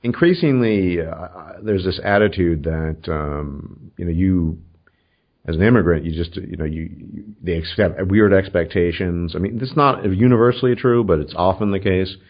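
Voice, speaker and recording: A man hosting a casual, opinionated discussion in a measured, somewhat hesitant way. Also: sits low. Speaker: host of a political video channel. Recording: dull, lo-fi audio.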